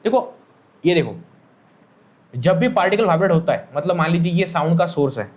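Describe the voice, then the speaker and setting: A man's voice: on the high side, lively intonation, a little fast. A man teaching a physics lesson, repeating key phrases and often checking that students follow, mixing in English terms. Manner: mixes Hindi with English terms. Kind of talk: classroom lecture.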